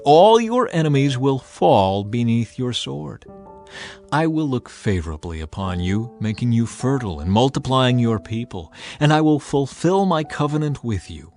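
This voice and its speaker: A man playing a stern, authoritative God in a dramatized scripture reading, speaking in a solemn, commanding, deliberate way. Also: mid-range voice, a little mellow, lightly acted. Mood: solemn, promising. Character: God of the Bible, stern, authoritative male lawgiver.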